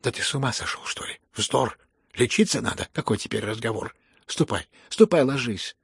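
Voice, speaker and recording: A man reading a storybook who voices a stern middle-aged noblewoman, shrill and indignant as she scolds. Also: animated, moderate pace, gravelly, husky, no room sound, studio quality. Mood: alarmed.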